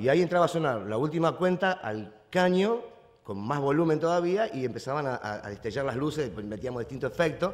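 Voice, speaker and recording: A man's fairly high voice with very wide pitch swings, at a fairly quick pace. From Argentina. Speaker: former nightclub DJ; guest, former DJ. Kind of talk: casual chat. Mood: nostalgic, warm storytelling. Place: studio. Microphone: studio mic.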